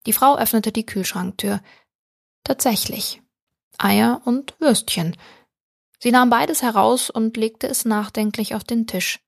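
A woman reading a short story aloud as an audiobook narrator, calm and even, close to the mic. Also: fairly high pitch, takes it slowly, creaky, no room sound. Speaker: audiobook reader. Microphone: close studio mic.

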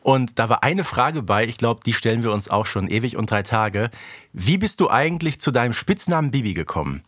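A man's voice: medium pitch, expressive, fairly quick, a bit bright, dry recording, studio quality. A man in his thirties co-hosting a fan podcast, talking in a casual, colloquial way. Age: 30s. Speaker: podcast co-host.

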